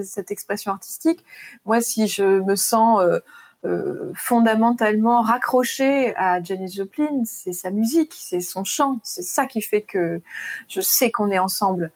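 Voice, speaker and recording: A woman's voice: on the high side, a little slow. A woman in her thirties, an author being interviewed, talking in a thoughtful, searching way with frequent restarts, and reading a passage from her book. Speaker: author guest.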